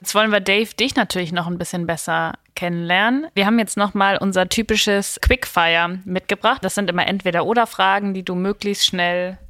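A woman's voice: mid-range voice, fairly even intonation, a little fast, few pauses, a bit bright, dry recording, clean studio sound. A woman hosting a podcast, asking questions in an upbeat, chatty way. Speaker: podcast host. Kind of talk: podcast interview.

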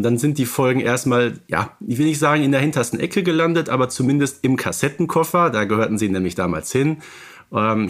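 A man of forty speaking conversationally as the host of a podcast. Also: mid-range voice.

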